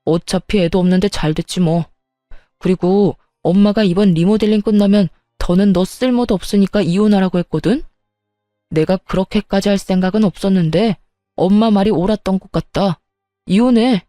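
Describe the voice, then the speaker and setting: A petty young husband who brushes everything off with blunt, cold replies, as a woman narrator puts him on. The tone stays mellow and darkish. It is recorded dry and close, with faint music underneath. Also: medium pitch, normal speed, dry recording, close to an everyday voice. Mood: cold dismissive. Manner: blunt, dismissive talking down.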